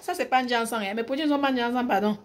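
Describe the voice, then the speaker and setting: A woman's voice: on the high side, racing, a little hiss or hum. A woman who runs a skincare brand, talking casually to camera, emphatic and repeating her key points, mixing in English words.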